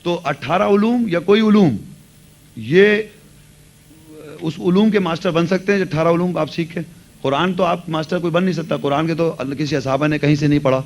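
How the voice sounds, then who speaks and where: A man giving a religious lecture, earnestly explaining and mixing English words into his speech. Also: a little high. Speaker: Quran lecturer.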